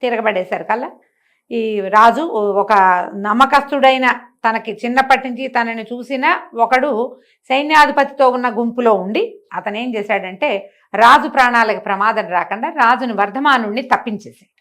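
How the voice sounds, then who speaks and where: An older woman telling a traditional story in a chatty, animated way, adding her own comments. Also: fairly high pitch, moderate pace. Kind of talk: oral storytelling with asides.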